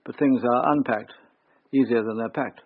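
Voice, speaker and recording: An actor playing an older country squire who is formal, restrained and earnest, in a radio drama. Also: male voice, medium pitch, normal speed, natural voice. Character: older country squire, stiff but pleading man. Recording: tinny narrowband radio broadcast.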